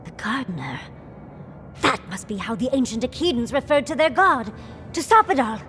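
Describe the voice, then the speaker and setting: A woman playing a curious, scholarly adventuring companion in a fantasy game, chatty and quick to explain lore. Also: high-pitched, very animated, fairly bright tone. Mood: thoughtful. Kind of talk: fantasy video game voice acting. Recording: noisy outdoor ambience behind.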